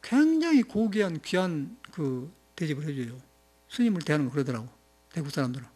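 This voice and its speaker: A Buddhist monk with a Jeolla accent giving a rambling, conversational dharma talk, often chuckling and dropping in filler sounds. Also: male voice, a little high, big pitch swings, a little fast, darkish tone. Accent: Jeolla Korean. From Jeolla, South Korea. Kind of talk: informal sermon.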